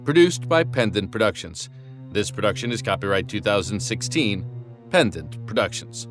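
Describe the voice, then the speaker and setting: A man's voice: fairly low pitch, expressive, moderate pace, music in the background. A man reading scripted credits as the announcer for an audio drama production.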